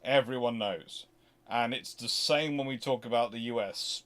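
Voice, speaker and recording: Male history stream host, mid-pitched, casual and unscripted, digressive, hesitant delivery with frequent self-corrections. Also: moderate pace, fairly bright tone. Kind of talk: casual unscripted question-and-answer talk.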